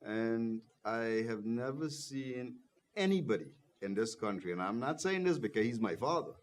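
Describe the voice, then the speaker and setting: A man's voice: medium pitch, expressive, normal speed, slight background noise. A young man born in Guyana, a political party coordinator, speaking earnestly as a TV guest and saying "you know" often. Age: young adult. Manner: earnest, repeats "you know", grows passionate. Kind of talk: interview answers.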